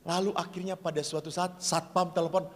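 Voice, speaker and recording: A man's voice: high voice, little pitch movement, fairly quick. A Catholic priest, a man, preaching a humorous sermon and acting out the stories he tells. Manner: jokey storyteller acting out dialogue. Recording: reverberant hall.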